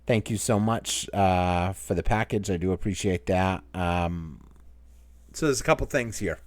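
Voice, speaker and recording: A low-pitched man with a Maine accent chats casually as the host of his own channel, wandering from point to point as he answers viewer questions. His voice sits close and dry, with almost no room sound. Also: measured pace, no echo. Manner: rambling, conversational, reads viewer comments aloud. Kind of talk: casual Q&A chat.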